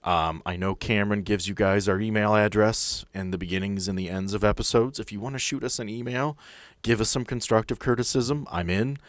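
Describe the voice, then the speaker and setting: Low-voiced man hosting a game podcast. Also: fairly even intonation, a little fast, no echo. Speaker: game master and podcast host. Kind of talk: casual podcast chat.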